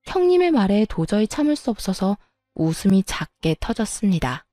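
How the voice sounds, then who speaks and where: A woman's voice: mid-range voice, big pitch swings, moderate pace, warm tone, no room sound, studio quality. A woman narrating a revenge story in a chatty, confiding tone.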